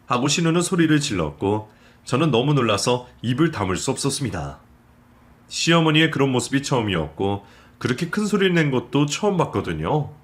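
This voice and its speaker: A man narrating a scripted story in a steady, measured way. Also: mid-range voice.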